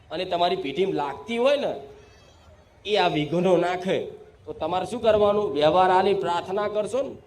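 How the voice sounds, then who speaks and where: Speaking as the goddess, a male spiritual medium delivers a possessed devotional sermon to a crowd, his slightly high voice forceful and declamatory. He commands the room and leads call-and-response chanting, with echo and faint ambient noise around him.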